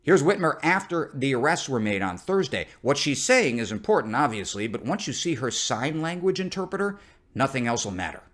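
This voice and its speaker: A man's voice: mid-range voice, sing-song, a little fast, a bit bright. A man delivering scripted comedic news commentary as the host of a satire show, in the manner of a parody news anchor.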